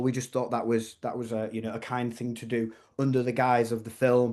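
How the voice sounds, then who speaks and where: Speaking in an English accent, a man talks at a very fast pace and a medium pitch. The background is quiet. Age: 40s. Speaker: film director. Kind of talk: interview.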